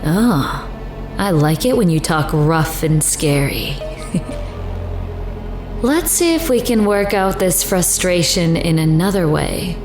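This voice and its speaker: An actress playing a mocking, sadistic attendant of supernatural rooms in an audio horror drama, crude and playfully menacing. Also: female voice, lowish voice, animated, takes it slowly. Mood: flirtatious, playful. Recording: roomy echo, music underneath.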